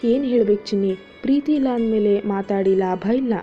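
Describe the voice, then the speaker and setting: A woman voicing a patient, caring young husband in an audio story, speaking calmly and gently scolding. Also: mid-range voice, fairly quick, lightly acted. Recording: dull lo-fi audio with faint music.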